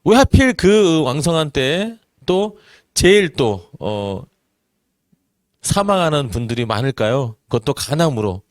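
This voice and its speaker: Earnest forties male presenter, animated delivery, dry recording. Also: on the high side, measured pace, no room sound. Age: 40s. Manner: earnest, rhetorical questions, many "eo" fillers. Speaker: network marketing business presenter. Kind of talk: seminar talk to an audience.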